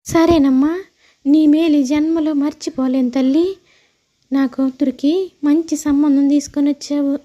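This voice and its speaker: A woman voicing a kindly, grateful elderly mother-in-law who speaks in an emotional, motherly way in an animated moral story. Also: high-pitched, unhurried, pauses often, muffled recording. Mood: grateful, welcoming. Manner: emotional, motherly, addressing others fondly.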